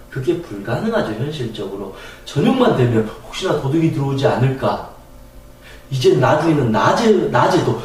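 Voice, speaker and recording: A man giving a spoken lecture as a channel host, talking in an animated way and acting out examples. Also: medium pitch. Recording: echoey room, distant mic.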